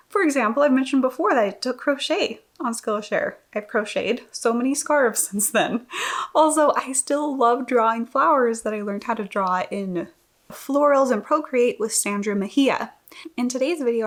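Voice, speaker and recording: A young woman vlogging casually, chatty and self-deprecating, often laughing at herself. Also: fairly high pitch. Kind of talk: casual vlog talk.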